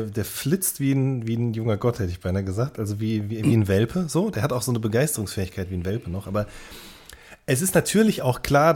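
A man's voice: lowish voice, darkish tone. A man with a German accent talking casually as a podcast co-host in an earnest, reflective way.

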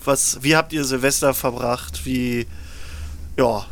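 A man hosting a casual group podcast, playful and excitable, with many hesitant fillers. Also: mid-range voice, slow pace. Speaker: podcast host.

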